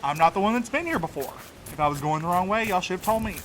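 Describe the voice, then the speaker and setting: A man's voice: high voice, lively intonation, fast talker, a bit bright, slight background noise. An actor playing a sardonic, anxious and loyal young married man in an audio drama, with a blunt, snappy manner. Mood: urgent, irritated.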